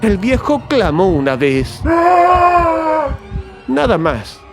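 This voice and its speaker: An actor playing a nervous, gleeful madman confessing to murder in a theatrical horror audiobook, with erratic swings and drawn-out emphatic words. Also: high-pitched, sing-song, creaky, exaggerated voice. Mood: frantic. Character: nervous, gleeful, mad male murderer confessing his crime. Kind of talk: dramatic horror audiobook narration. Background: music.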